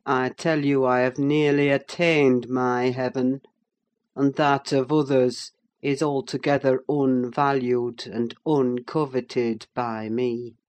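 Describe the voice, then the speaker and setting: A man's voice: mid-range voice, flat delivery, slow, darkish tone, natural voice. A performer playing a brooding, haunted, sleepless older man in a dramatic audiobook, speaking in grave, intense declarations. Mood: solemn. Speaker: character in an audiobook.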